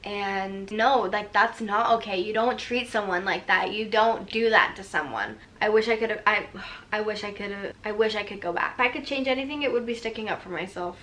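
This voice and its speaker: A woman's voice: medium pitch, brisk, a bit bright, slight background noise. A young woman chatting casually as she answers viewer questions, rambling and full of "like". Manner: chatty and rambling, heavy use of "like". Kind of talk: casual Q&A chat.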